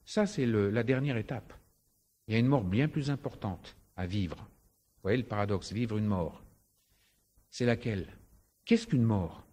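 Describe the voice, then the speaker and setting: A man's voice: on the low side, measured pace, pauses often, a little mellow. A man preaching and explaining scripture in an emphatic way, repeating his key points. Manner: emphatic, explanatory, rhetorical repetition. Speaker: Christian preacher and speaker. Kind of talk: sermon, teaching from scripture.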